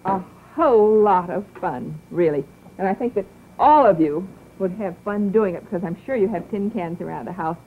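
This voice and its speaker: A woman's voice: medium pitch, lively intonation, a little hiss or hum. Woman hosting children's TV, tinny old broadcast. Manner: slow, coaxing, sing-song teacherly delivery. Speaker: children's TV show host. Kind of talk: speaking gently to children, then to parents.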